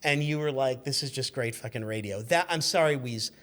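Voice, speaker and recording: A man in his fifties telling stories casually and in an animated, profane way as a podcast guest. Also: mid-range voice, fairly quick. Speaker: podcast guest, former radio intern. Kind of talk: casual storytelling.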